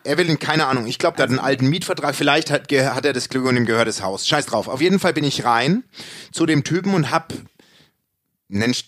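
A man co-hosting a podcast, casually telling an anecdote in a crude, animated, self-mocking way. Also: mid-range voice, quick pace, no room sound, clean studio sound. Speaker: podcast co-host.

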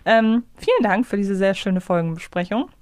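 A woman's voice: mid-range voice, normal speed, darkish tone, smooth, no room sound. Reflective woman podcaster, dry close sound. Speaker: podcast co-host. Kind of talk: casual fan discussion of an audio drama.

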